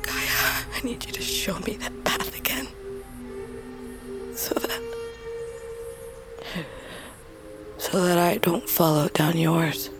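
A grieving young tribal woman speaks slowly and intimately in an audio drama. She halts and yearns, her voice sometimes falling to a whisper, over a clear music bed. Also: fairly low pitch, wildly swooping pitch, exaggerated voice. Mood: pleading. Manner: halting, intimate, slipping into whispers. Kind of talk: dramatic audio fiction monologue.

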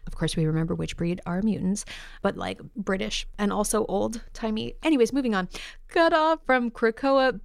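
A woman's voice: fairly high pitch, smooth, dry recording, studio quality. A woman co-hosting a podcast, presenting upbeat comic-book news in an enthusiastic, playful, slangy way. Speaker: podcast co-host.

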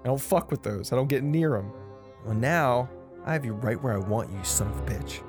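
A man's voice: mid-range voice, normal speed, a little mellow, faint music behind, natural voice. A man playing an evil male realtor with a hook for an arm, gloating through a hammy villain monologue.

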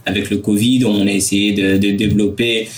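A man's voice: fairly low pitch, little pitch movement, a little fast, far from the mic. A man in his twenties answering interview questions in a hesitant way, with many fillers and restarts. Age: 20s. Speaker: podcast guest, student entrepreneur.

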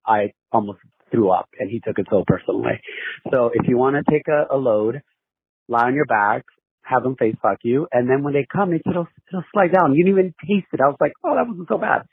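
Husky male caller on tinny phone line. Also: medium pitch, a little fast, no echo. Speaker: listener calling in. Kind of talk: casual, candid voicemail.

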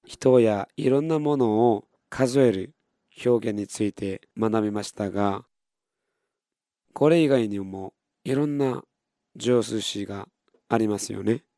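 Man teaching a slow beginner language lesson, low mellow voice, patient, repeats each word, dry close sound. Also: no room sound.

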